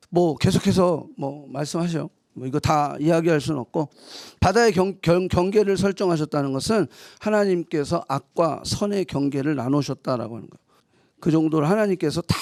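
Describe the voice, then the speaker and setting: A woman pastor giving a conversational sermon, moving between soft asides and loud emphatic bursts, and acting out teasing mock quotes. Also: on the low side, no room sound, studio quality.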